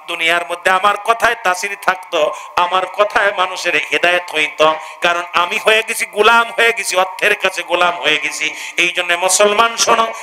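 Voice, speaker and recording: A man preaching a sermon, impassioned and shouting for the crowd to answer back. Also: sits high. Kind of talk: Islamic waz sermon. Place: sermon gathering with an audience. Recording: loud noisy crowd ambience.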